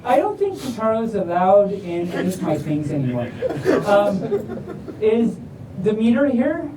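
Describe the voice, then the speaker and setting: With a sing-song voice and measured pace, a woman performs picture-book readings for an audience in a large convention hall. Her silly, playful delivery includes rambling self-deprecating asides, recorded from a distance with a roomy echo and slight rumble.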